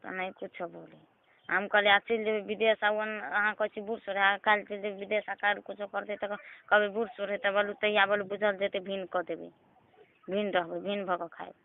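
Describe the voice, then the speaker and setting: A woman's voice: medium pitch, little pitch movement, a little fast. A woman with a Maithili accent chatting casually on a phone call, recounting things by quoting what people said. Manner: recounts household quarrels by quoting dialogue. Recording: tinny narrowband phone line, some noise.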